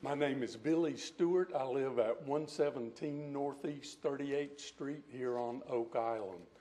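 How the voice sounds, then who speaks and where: Audible room echo fills the space as a man with a fairly high pitch and a dark, mellow tone speaks at a fairly slow pace with ordinary pitch variation. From Western North Carolina. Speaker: public commenter at council meeting. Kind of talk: public comment. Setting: town council meeting.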